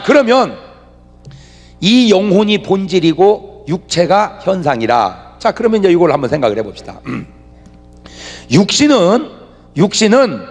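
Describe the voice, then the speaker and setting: A man preaching a revival sermon from the pulpit, humorous and animated, drawing answers back from the congregation. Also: high voice, breathy edge. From Chungcheong, Korea. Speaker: pastor. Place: large church revival meeting. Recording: echoey hall reverb.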